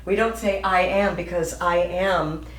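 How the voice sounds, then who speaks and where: A woman's voice: on the low side, fairly even intonation, a little slow, roomy sound. A middle-aged woman counselor explaining a self-talk exercise to a couple, emphatic and teacherly.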